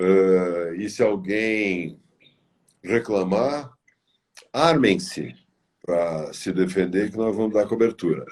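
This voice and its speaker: With long, frequent pauses, a man talks at a very slow pace in a fairly low voice with ordinary pitch variation. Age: 70s. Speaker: environmentalist and hospital director. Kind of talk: interview in a live stream. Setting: online live stream. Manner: halting, with many fillers.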